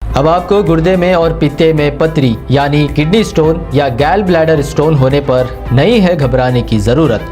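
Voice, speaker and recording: Guy doing a scripted promo voiceover, voice a bit high, music underneath. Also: normal speed, a little mellow. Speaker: advert voice-over announcer.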